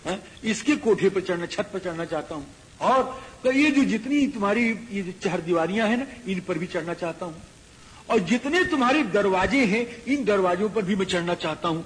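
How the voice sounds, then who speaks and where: A man with a high voice gives a devotional discourse. He chants verses and explains them, acting out characters. The hall around him echoes, and there is faint background hiss. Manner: chanting Sanskrit verses then explaining in Hindi, voicing characters. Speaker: Ramayana preacher. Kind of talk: devotional discourse with Sanskrit recitation.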